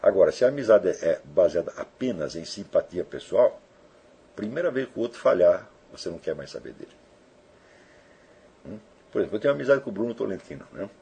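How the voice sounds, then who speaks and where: A man with a low, heavily husky voice talks through an informal lecture as a teacher. He keeps checking in with his listeners with short tag questions, and his pitch moves up and down with lively variation.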